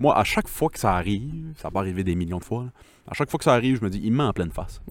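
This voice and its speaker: The pace is very fast. The speaker is a man. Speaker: podcast host. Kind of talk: casual chat.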